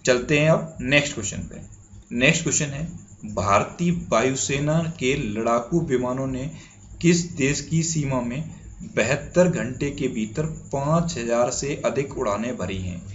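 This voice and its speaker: A man's voice: medium pitch, unhurried, lo-fi sound, a little hiss or hum. A man from India teaching current affairs for exams, reading out quiz questions and repeating each answer as he asks and answers himself. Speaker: current affairs exam tutor. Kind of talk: spoken quiz lesson.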